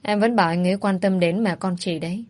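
A woman's voice: mid-range voice, fast, a little mellow, natural voice. A woman voicing a scheming pregnant young woman who wails and accuses. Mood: sweet. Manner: plaintive, wailing, accusing.

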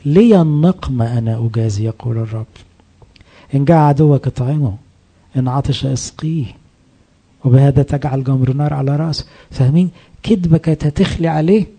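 Egyptian priest giving a sermon, dark husky voice, keeps asking the crowd questions, acts out quotes. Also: male voice, on the high side. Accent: Egyptian Arabic. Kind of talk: colloquial sermon.

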